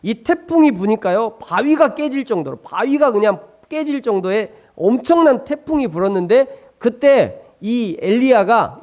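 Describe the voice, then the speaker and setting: Animated preaching man, high lively voice. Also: lo-fi sound. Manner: animated preaching, asks the congregation questions, acts out quoted lines. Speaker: pastor. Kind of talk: sermon.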